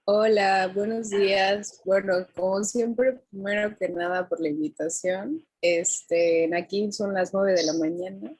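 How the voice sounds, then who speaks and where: A woman's voice: mid-range voice, fairly even intonation, measured pace, few pauses, darkish tone, no room sound, low-quality recording. A woman from southern Mexico with a Mexican accent, speaking as a panel guest in an easygoing, conversational way. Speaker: panel guest, fab lab founder. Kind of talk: casual online panel chat.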